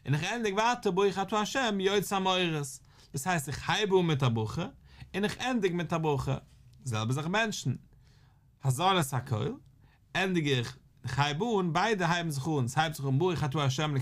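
Rabbi explaining a Talmud page, higher voice. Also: male voice. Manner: explains line by line, reading text aloud then translating it. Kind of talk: Talmud study lesson.

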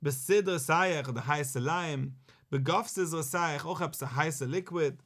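This Talmud lesson comes from a male rabbi whose voice sits on the high side. He speaks slowly, in a lively, inquiring sing-song that keeps climbing and dipping.

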